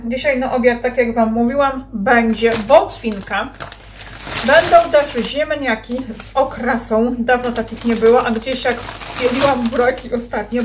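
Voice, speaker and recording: A woman's voice: on the high side, steady tone, moderate pace, background noise. A mother in her thirties chatting casually to camera in a family vlog, rambling and talking straight to her viewers.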